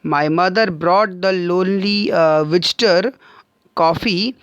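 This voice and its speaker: A man teaching an online English class with an Indian accent, reading a story line by line and paraphrasing it with frequent fillers and throat clearing. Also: high voice, slow, a bit bright, no echo, lo-fi sound. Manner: reads a line then paraphrases it, with frequent "okay" and "uh"; clears his throat often.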